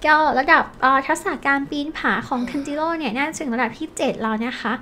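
A woman's voice: high-pitched, fast, pushed and bright, a little hiss or hum. A woman hosting a gaming channel, chatting playfully to viewers as she comments on her game.

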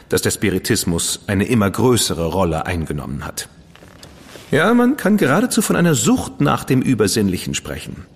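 An actor playing a witty, decadent dandy detective's partner in a German radio drama, flippant and ironic. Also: male voice, fairly low pitch, slightly rough, in a large hall. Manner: flippant, ironic, self-satisfied.

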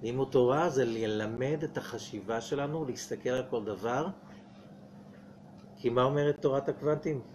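A man's voice: medium pitch, darkish tone, slight background noise. A man, a rabbi giving a weekly Torah portion lecture. He asks the audience rhetorical questions and acts out little dialogues. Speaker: rabbi teaching Kabbalah.

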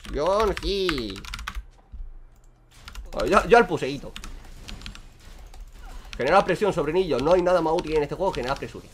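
A man from Spain commentating his own gameplay, excitable and swearing freely as he talks to himself and his viewers. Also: a little high, a little hiss or hum. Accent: Spain Spanish. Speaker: gaming streamer.

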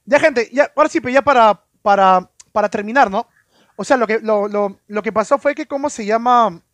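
A man's voice: high-pitched, moderate pace, fairly bright tone, no echo. A man telling a story casually on a live stream, stammering and repeating words as he goes.

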